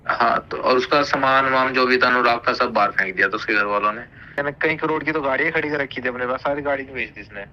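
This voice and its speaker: A man's voice: mid-range voice, quick pace, pushed and bright. A man with a North Indian accent chatting casually and recounting gossip on a recorded phone call.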